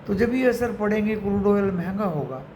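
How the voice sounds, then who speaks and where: A man's voice: sits high, expressive, normal speed, darkish tone. A man with an Indian accent giving unscripted market commentary to his viewers, mixing in English phrases and addressing them like friends. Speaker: stock market commentator and channel host. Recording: echoey room with clear background noise.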